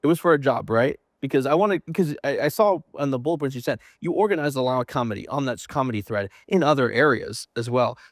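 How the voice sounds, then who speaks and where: A man's voice: medium pitch, animated, quick pace, few pauses, dry recording, studio quality. A man hosting a casual podcast interview, asking questions and teasing his guest. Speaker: podcast host.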